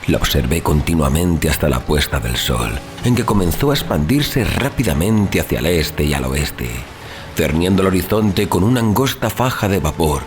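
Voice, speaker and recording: An actor playing a grave, rational, educated traveler telling his story in solemn, measured, formal literary narration for an audio drama. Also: sits low. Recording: music playing behind the voice. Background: background music.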